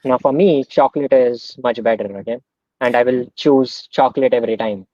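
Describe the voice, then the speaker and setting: A man's voice: mid-range voice, brisk, dry recording. A young man from India, a guest speaker talking casually on a video call with many filler sounds. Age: young adult. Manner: relaxed, many "um"s, explains with everyday examples. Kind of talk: casual online talk. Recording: dull lo-fi video call audio.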